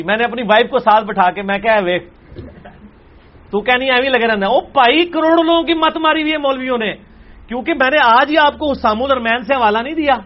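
A high-voiced man answers questions in a religious lecture. He is forceful and animated, loud on the points he stresses and dropping low for asides. The recording is dull and lo-fi. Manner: forceful, animated, swings between loud emphasis and quiet asides.

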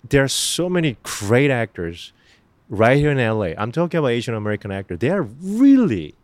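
A middle-aged man with a Korean accent, an actor answering interview questions in an earnest, halting way with many fillers and restarts. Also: mid-range voice, big pitch swings, no echo. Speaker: actor guest.

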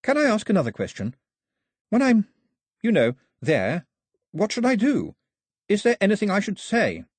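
Guy doing a jittery young woman, high and wobbly, kinda husky. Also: wildly swooping pitch, normal speed, long pauses, no room sound, studio quality, heavily acted. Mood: anxious. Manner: anxious, pleading questions. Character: nervous, brave young woman.

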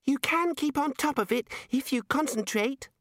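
A man voicing a pompous wizard turned into a six-year-old boy, squeaky and whiny, in a fantasy storybook reading. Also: normal speed, fairly bright tone, no room sound, studio quality. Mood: bossy, flustered. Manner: lapses from pompous explaining into toddler babble.

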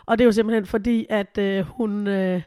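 A woman's voice: mid-range voice, fairly even intonation, dark tone, clean tone, dry recording, studio quality. A woman co-hosting a podcast in casual chat, giggly and hesitant, her voice changed by a cold, at home in a living room. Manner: giggly, hesitant with many fillers. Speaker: podcast co-host.

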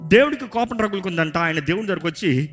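A man's voice: sits high, lively intonation, fast, a bit bright, faint music behind. A man preaching a sermon as pastor, passionate and mixing in English phrases.

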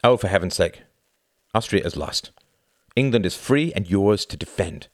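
A man voicing a wary hero quietly reasoning through a dangerous choice. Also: on the low side, expressive, moderate pace, no room sound, clean studio sound, natural voice. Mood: anxious reasoning. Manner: quiet, anxious inner reasoning.

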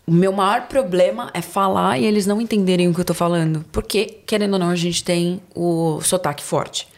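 A young Brazilian woman with a São Paulo Portuguese accent chats casually as a podcast guest, telling stories with animation and acting out the people she quotes. Her voice sits lowish and moves briskly.

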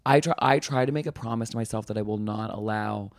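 A man in his twenties co-hosting a podcast, chatting casually, excitable and jokey, swearing now and then. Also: on the low side, fast, no room sound, studio quality. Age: 20s. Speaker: podcast co-host.

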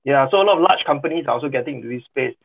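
A man hosting a business podcast, speaking haltingly with many "uh" and "you know". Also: mid-range voice, expressive, creaky, breathy edge. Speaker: podcast host. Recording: phone-like line with faint music.

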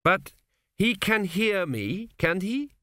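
An earnest, flustered young king, as a man puts him on, his voice lifted a little above the narrator's. He talks eagerly and a touch too loud. Dry studio sound. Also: high-pitched, very animated, slow, no room sound, voice pushed up, exaggerated voice. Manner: eager, a little raised and nervous.

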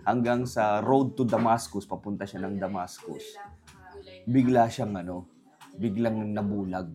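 Male, casual storyteller, rambling, animated quoting. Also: lowish voice, a little slow. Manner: rambling, animated retelling with quoted voices and code-switching. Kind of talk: casual chat.

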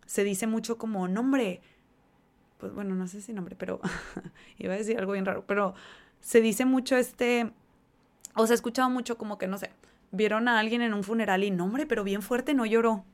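A woman's voice: medium pitch, brisk. A woman hosting a podcast, talking earnestly and conversationally about emotions, with many casual fillers. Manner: earnest, animated, conversational with fillers like "o sea" and "como que". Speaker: podcast host.

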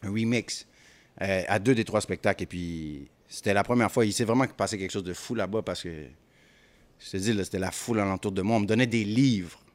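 Talking fairly quickly in a fairly low voice, this rapper guest from Montreal spins lively stories during a casual interview and slips in English phrases. His accent blends Haitian French with Quebec French.

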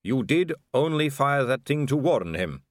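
Brief: male narrator as a distant, careful official, audiobook; measured, slightly stiff. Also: mid-range voice, sing-song, no room sound, clean studio sound, voice pushed up. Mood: guarded. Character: evasive male town official, stiffly rehearsed. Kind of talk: audiobook character reading.

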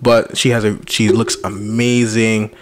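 A man with an African American accent bantering casually in animated, slangy, profane speech. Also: lowish voice, measured pace. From Patterson, United States.

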